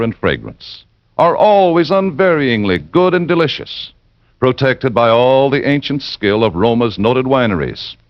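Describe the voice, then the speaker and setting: A man delivering a persuasive old radio ad in a smooth announcer voice. His pitch moves lively up and down. The sound is dry and dull, like a 1940s broadcast. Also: dry recording. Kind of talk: scripted radio advertisement.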